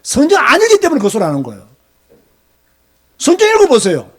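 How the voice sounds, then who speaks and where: A man's voice: very high-pitched, wildly swooping pitch, fairly quick, fairly bright tone. A middle-aged man with a Gyeongsang Korean accent, preaching as a pastor in an emphatic, scolding way, firing off rhetorical questions. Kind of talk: sermon lecture.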